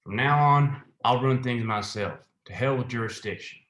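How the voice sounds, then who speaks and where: A man acts out a hard, threatening lawman boss of 1920s America. He speaks in a medium-pitched voice with a commanding, angry edge, as if at a drama table read. The sound is roomy and echoing. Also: normal speed, fairly bright tone, natural voice. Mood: furious.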